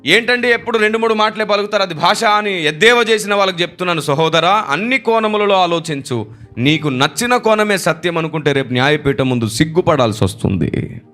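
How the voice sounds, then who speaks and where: A man's voice: sits high, expressive, brisk, bright, forceful tone, faint music behind. A man preaching a sermon, emphatic and repeating phrases for stress. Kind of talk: Telugu sermon.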